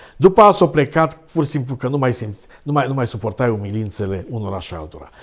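A man is talking. His pitch swings very widely. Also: quiet background. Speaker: political commentator. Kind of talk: angry rant. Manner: sarcastic, indignant; loud, ironic. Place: home room.

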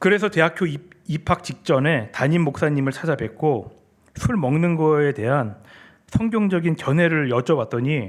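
Fairly high-pitched, a man with an unremarkable speaking voice talks with lively intonation and very even loudness. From Seoul, South Korea. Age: 40s. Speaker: church member. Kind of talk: testimony. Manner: formal.

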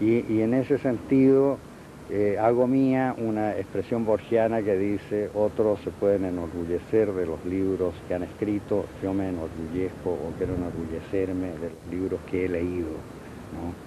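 Noticeable background noise surrounds a man's fairly low voice. He talks at a fairly slow pace. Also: ordinary pitch variation. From Chile. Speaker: poet and literature professor; poet, literature professor. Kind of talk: interview. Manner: halting, many hesitations and repeated words. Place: street.

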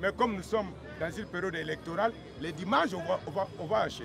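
A man's high-pitched voice at a fairly quick pace, with ordinary pitch variation, a dry sound with no echo, and noticeable background noise. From DR Congo. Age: 30s. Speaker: local party activist. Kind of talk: street interview. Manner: animated. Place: open country. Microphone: lapel.

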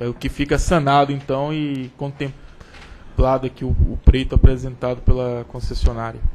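A man talks at a moderate pace with monotone, flat intonation and hardly any pauses, his loudness swinging widely. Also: medium pitch for a man. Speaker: meeting chair. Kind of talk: formal meeting deliberation.

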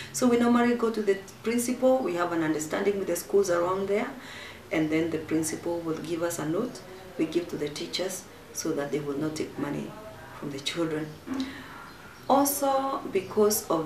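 A woman with a fairly low pitch speaks with long, frequent pauses, light background noise and audible room echo around her. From Kenya. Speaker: missionary. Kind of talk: testimony. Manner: halting. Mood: warm, earnest. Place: home room.

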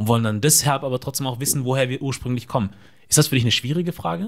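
Against a quiet background, a man speaks in a somewhat breathy voice with ordinary pitch variation. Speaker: podcast host. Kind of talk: interview. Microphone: studio mic.

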